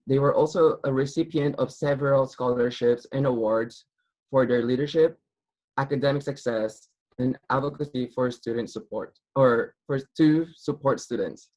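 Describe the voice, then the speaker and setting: A man with a medium-pitched voice acts as event host. He gives formal thanks and introductions, reading in a measured, official style. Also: darkish tone, poor audio.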